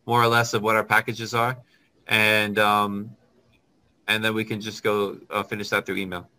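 Bright-voiced chatty man, lowish pitch. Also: level tone, normal speed. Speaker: business consultant and channel host. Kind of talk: casual video call, then talking to camera.

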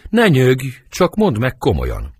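A man's voice: medium pitch, huge pitch swings, husky, dry recording, studio quality. Benvolio, earnest friend, read by a man. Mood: coaxing. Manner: earnest, coaxing questions in verse. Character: young nobleman Benvolio, earnest loyal friend. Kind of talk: audiobook reading of a verse play.

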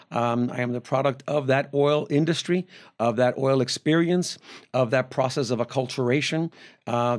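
A man from Venezuela talks as a guest professor on a podcast. He explains things carefully at an even, middling pitch. He often pauses on fillers and restarts his sentences. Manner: measured, explanatory, with frequent filler hesitations and restarts. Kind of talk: conversational interview answers.

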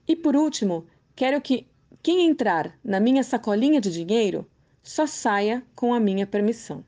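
A woman's voice: fairly high pitch, animated, normal speed, warm tone, lightly acted. A woman playing a sly, teasing old man. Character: crafty cheerful old man.

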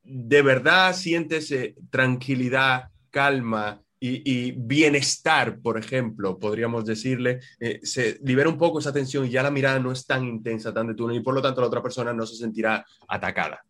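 A man from Spain with a Spanish accent, a communication trainer giving measured, instructive answers in an interview over a video call. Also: mid-range voice, fairly even intonation, fairly bright tone. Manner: measured, instructive, slows down on key words.

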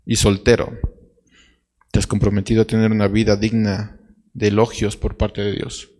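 A man's voice: lowish voice, little pitch movement, normal speed, darkish tone. A man preaching a sermon as pastor, directly questioning his congregation.

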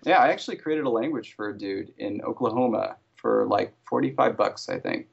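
A man as an interview guest, talking in a relaxed, chatty way with wry jokes. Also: lowish voice, brisk, vocal fry, a crowd in the background. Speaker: interview guest, language creator. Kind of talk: casual interview conversation. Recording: slightly dull lo-fi audio.

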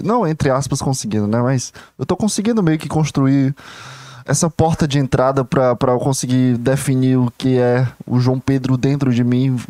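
Rambling young man, soft dark voice. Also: mid-range voice, no echo. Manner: rambling, stream-of-consciousness with many restarts; candid, self-reflective and confiding. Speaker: podcast host. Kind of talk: solo podcast monologue.

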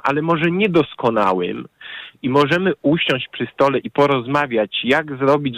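A man's voice: medium pitch, no room sound. A man speaking on a radio talk show, an activist earnestly making his case and listing supporting groups. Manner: earnest, campaigning, lists organizations. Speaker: civic activist guest. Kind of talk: radio debate.

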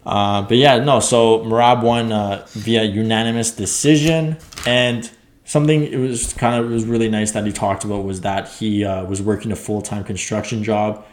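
A young man casually recapping fights as a podcast host, rambling and excitable, swearing now and then. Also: on the low side, normal speed. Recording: echoey room.

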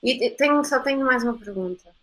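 A woman's voice: high voice, fast talker, a bit bright. A woman with a European Portuguese accent chatting casually as a livestream guest, rambling and repeating words as she stumbles along. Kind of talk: casual chat.

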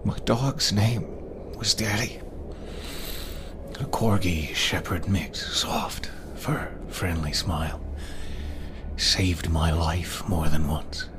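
An actor playing a dazed, wistful fantasy adventurer, speaking hesitantly in a horror audio drama. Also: male voice, low-pitched, slow pace, noisy background. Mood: grieving, soft. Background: music.

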